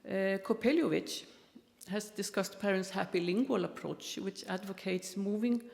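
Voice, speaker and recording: Middle-aged icelandic woman giving a keynote, careful and measured, lots of ums, long hall echo. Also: mid-range voice, creaky, a little mellow. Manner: careful, measured, with frequent fillers. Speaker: keynote speaker. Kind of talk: academic conference keynote. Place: large conference hall.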